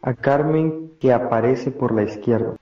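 Narrator: young Argentine male, mid-pitched, reading stage directions, dull roomy recording. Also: unhurried, very noisy. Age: teenager or young adult.

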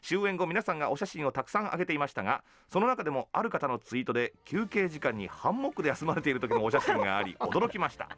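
Male MC for upbeat studio radio show; bright, quick, polite and highly animated. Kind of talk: upbeat radio hosting with banter.

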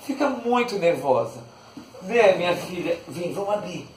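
A man's voice: high voice, lively intonation, normal speed, distant mic. A man hosting a casual unboxing vlog, sweetly coaxing his dog and laughing often. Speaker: channel host. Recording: echoey room, voice off the mic, faint noise.

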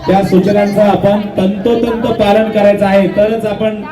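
A man making firm, pleading announcements to a protest crowd through a loudspeaker. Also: high voice, flat delivery, measured pace, music in the background. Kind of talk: public address announcements to a crowd. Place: outdoor protest ground. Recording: echoey loudspeaker heard from far off, loud crowd. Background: large crowd.

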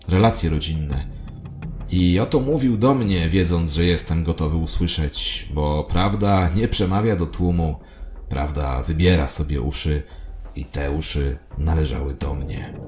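Very deep-voiced, grandiose conspiracy believer played by a man. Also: a little mellow. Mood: hushed reverence. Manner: solemn, theatrical, self-important. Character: grandiose paranoid male conspiracy believer telling his story. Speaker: narrator and protagonist of an audio drama. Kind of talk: dramatic first-person scripted narration.

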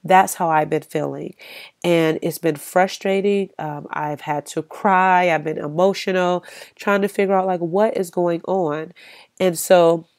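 A woman's voice: on the low side, steady tone, unhurried, a little mellow. A woman hosting her own podcast, talking in an encouraging, conversational way with frequent ums, her voice stuffy from a cold. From United States. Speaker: podcast host. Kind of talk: solo podcast talk.

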